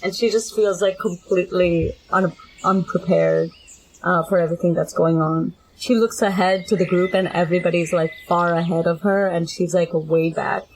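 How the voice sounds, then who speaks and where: A woman's voice: fairly low pitch, steady tone, normal speed, slight background noise, poor audio. A woman playing a tabletop game, casually improvising what her character does and peppering it with "like".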